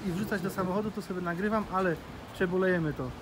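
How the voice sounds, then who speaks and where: A man's voice: high voice, steady tone, quick pace, background noise. A man in his thirties from Poland, chatting casually and jokily to camera as a vlog host on a handheld phone. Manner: jokey, informal. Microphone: phone at arm's length. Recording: handheld phone with music underneath. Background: music.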